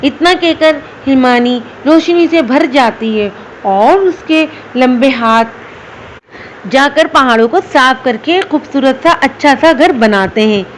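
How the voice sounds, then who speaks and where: A woman narrating a children's fairy tale in an expressive, dramatic storytelling manner. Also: high voice, takes it slowly, slight background noise, low-quality recording.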